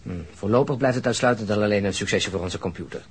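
Husky, weary detective. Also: male voice, lowish voice, fast talker. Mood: dry, sardonic. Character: weary, grumbling, sardonic male police detective. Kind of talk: audio crime drama acting.

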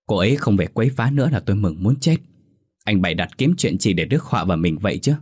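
A frightened, timid villager in a spoken ghost story who pleads in a low, husky voice. He sounds nervous and eager to avoid trouble. A man narrator plays him. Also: animated, quick pace, a little mellow. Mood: pleading.

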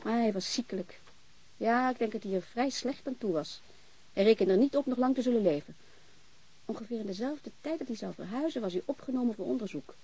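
A woman's voice: on the high side, lively intonation, brisk, a little mellow, husky, poor audio. An actress playing an outspoken, chatty middle-aged landlady in a naturalistic radio drama, talking bluntly and restarting her sentences. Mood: pensive. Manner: talkative, blunt, breaks off and restarts.

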